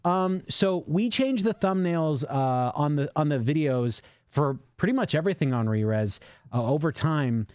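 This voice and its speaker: Brisk, joking male livestream co-host. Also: a little high, expressive, darkish tone, smooth, no echo, clean studio sound. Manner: brisk and joking, reads out viewer messages. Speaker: co-host of a gaming channel. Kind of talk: casual livestream chat.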